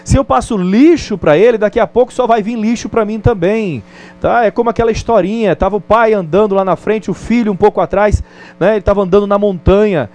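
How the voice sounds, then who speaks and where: A man's voice: high voice, a little fast, a little mellow. A man with a Brazilian Portuguese accent teaching a recorded distance-learning lesson in a conversational way, often checking in with the viewer.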